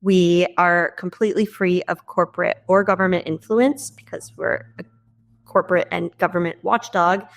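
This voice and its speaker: A woman guest in an interview, an articulate policy scientist answering in a measured, explanatory way. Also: fairly low pitch, steady tone, gravelly.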